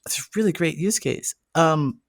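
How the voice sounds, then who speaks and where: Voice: mid-range voice, animated, moderate pace, creaky, no echo, clean studio sound. A podcast host chatting casually in an encouraging, upbeat and affirming manner. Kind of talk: casual interview chat.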